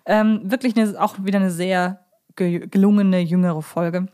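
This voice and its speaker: A woman's voice: medium pitch, fairly even intonation, a little slow, dark tone. A woman hosting a fan podcast in a conversational style, phrasing her thoughts carefully and correcting herself as she goes. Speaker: podcast host.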